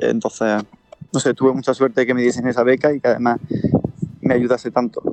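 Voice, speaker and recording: A man's medium-pitched, monotone delivery, flat in intonation, with long, frequent pauses and a dry, close sound with no echo. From Spain, Linares (Jaén), Andalusia. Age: 20s. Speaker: aerospace engineer. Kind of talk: interview.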